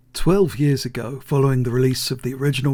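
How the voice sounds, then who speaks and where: Soft-spoken and somewhat breathy, a man talks at medium pitch in a dark, mellow tone with fairly even intonation. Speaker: gaming youtuber. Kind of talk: scripted narration. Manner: soft ASMR-style; calm, measured.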